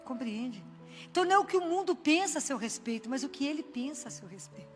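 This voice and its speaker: A woman's voice: high-pitched, lively intonation, fast talker. An older woman giving a spoken devotional message, telling stories in a conversational way and acting out the voices she quotes. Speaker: Christian inspirational speaker. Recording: long hall reverb with soft background music.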